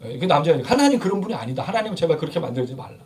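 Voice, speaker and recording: High-voiced pastor preaching from a distance. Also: male voice, very animated, very fast, a little mellow, a little hiss or hum. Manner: conversational preaching with rhetorical questions; acts out quoted prayers and scoldings. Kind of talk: sermon. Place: church sanctuary.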